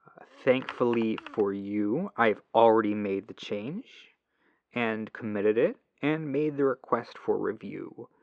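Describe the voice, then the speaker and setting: A man playing a patient, earnest tech-support agent in a gentle, reassuring ASMR phone roleplay, through a lo-fi telephone filter. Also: on the low side, slow. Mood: apologetic, explaining. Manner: gentle, reassuring, apologetic, musing to himself. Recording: lo-fi muffled telephone sound.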